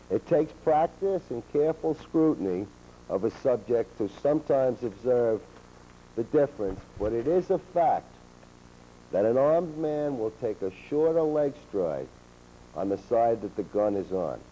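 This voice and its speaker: A man calmly explaining police techniques on a training video, in a steady, matter-of-fact way, heard from an old VHS tape. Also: medium pitch. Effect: old VHS tape sound. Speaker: law enforcement instructor. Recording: dull worn VHS tape with faint hiss.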